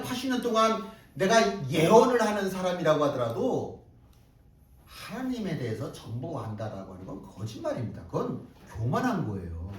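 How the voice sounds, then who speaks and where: A man preaching a sermon in a high, lively voice that climbs and drops sharply. He presses his points with rhetorical questions and repeats phrases for weight. The sound is roomy and a little distant, as if picked up across a reverberant church hall. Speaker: pastor. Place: church sanctuary. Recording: echoey hall, mic at a distance.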